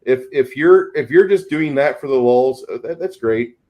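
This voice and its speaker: A man's voice: medium pitch, normal speed, darkish tone. Opinionated man in casual discussion. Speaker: panelist and game master.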